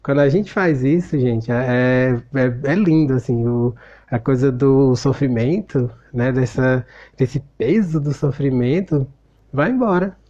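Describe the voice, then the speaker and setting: A man's voice: medium pitch, unhurried, dark tone, highs cut off. A man with a Brazilian Portuguese accent, giving a casual spoken commentary on a book and retelling a film scene in a reflective, storytelling way.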